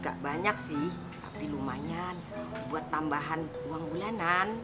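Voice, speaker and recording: A woman's voice: low-pitched, measured pace. An actress playing a brash, cheeky older beggar woman with officious airs and a Jakarta accent in a sitcom. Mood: sly, knowing. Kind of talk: sitcom acting. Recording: loud music and crowd behind voice.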